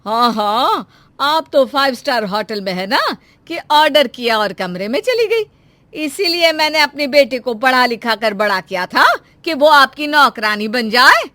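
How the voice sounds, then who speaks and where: A woman voicing a sharp-tongued, meddling middle-aged mother in a cartoon family story, loud and taunting. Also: high-pitched, animated, unhurried, no room sound, exaggerated voice.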